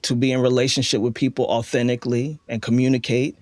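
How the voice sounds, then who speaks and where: A man's voice: mid-range voice, level tone, fast talker, a little mellow, no echo. A man hosting a reflective interview, speaking earnestly and affirming his guest as a fellow creator. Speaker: interview host, audio dramatist.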